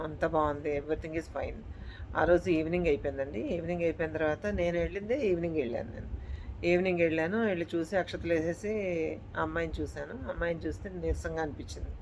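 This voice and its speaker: A woman's voice: low-pitched, a little hiss or hum, low-quality recording. A woman and channel host telling a true horror story in casual speech, repeating her phrases and addressing listeners politely.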